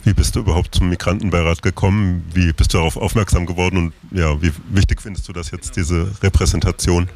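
A man interviewing guests on location, asking fluent, brisk questions. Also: sits low, steady tone, a little mellow. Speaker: radio interviewer at a summer festival.

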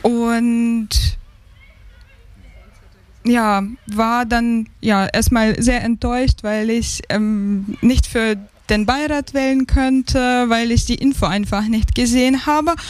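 Slow, hesitant woman from Ukraine. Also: a little high, fairly even intonation, no room sound. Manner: hesitant, many fillers and restarts. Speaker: interview guest, migrant council member. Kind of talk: casual interview answers.

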